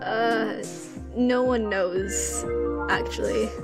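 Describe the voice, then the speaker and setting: Eager awestruck traveler lady woman acting, highish voice, audio drama, bit of music behind. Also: steady tone, extremely slow.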